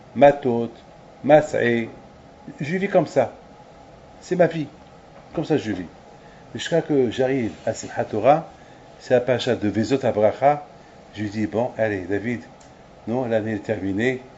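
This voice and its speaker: A man's medium-pitched voice, fairly slow and lively in intonation, with long, frequent pauses and noticeable background noise. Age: 60s. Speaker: rabbi giving Torah lessons. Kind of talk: Torah lesson. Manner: halting, repetitive.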